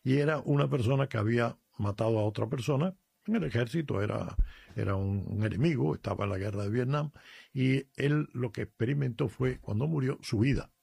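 Un sacerdote cubano con acento cubano, que habla con fervor y cuenta anécdotas personales en un programa de radio. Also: male voice, mid-range voice, fairly quick, gravelly, a little mellow, husky, dry recording, clean studio sound. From Cuba. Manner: earnest, emphatic, tells personal stories. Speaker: priest, regular guest. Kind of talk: radio chat on faith.

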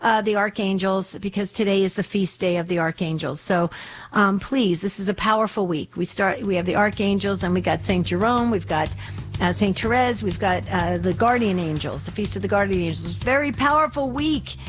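A woman hosts a faith-centered call-in radio show, talking in a chatty, devout way. Her voice is slightly hoarse, and she restarts her sentences often. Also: mid-range voice, normal speed, soft background music.

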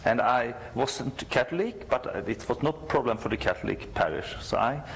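A middle-aged Swedish man, a church musician, answering interview questions in halting, non-native English with a Swedish accent, often searching for words. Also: mid-range voice, expressive, gravelly, a bit bright, slight background noise. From Sweden.

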